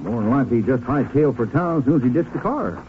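A folksy small-town sheriff played by a man, plain-spoken and suspicious. His mid-pitched voice moves through wide swings of intonation. It is an old radio western, tinny and a little noisy. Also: lively intonation, fast, close to an everyday voice. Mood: puzzled, musing. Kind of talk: 1950s radio western acting.

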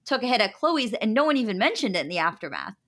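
A woman co-hosting a podcast speaks fast in a medium-pitched, slightly bright voice with big swings in pitch. She shares opinions in casual chat, punctuated by emphatic rhetorical questions.

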